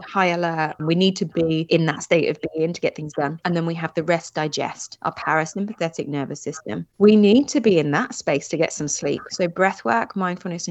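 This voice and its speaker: A woman yoga teacher, a podcast guest, explaining breathing and calm in a soothing, gentle way. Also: on the low side, dry recording. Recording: dry, slightly dull podcast audio.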